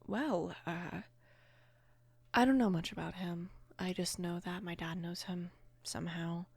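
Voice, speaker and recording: A woman voicing a young mafia boss's daughter, gentle, protective and flustered, in a soft, hesitant near-whisper for an ASMR romance roleplay. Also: lowish voice, slightly rough, dry recording. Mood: soft, awkward.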